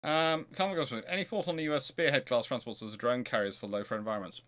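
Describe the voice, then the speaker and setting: A man hosting a naval history show answers questions and reads aloud informally, often correcting himself. His medium-pitched voice is steady, fast and fairly bright. He sounds hesitant, as if thinking aloud.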